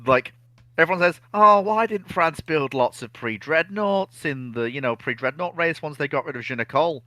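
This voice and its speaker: A man in a casual history chat, explaining things in an animated, opinionated way. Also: on the high side, normal speed, no echo. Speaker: naval history discussion panelist.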